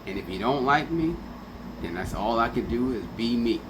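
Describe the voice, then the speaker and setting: A man's voice: medium pitch, expressive, moderate pace, background noise, close to an everyday voice. A man voicing a caring, bold woman comedian friend in an insistent, encouraging way during a radio tribute. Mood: bold, proud.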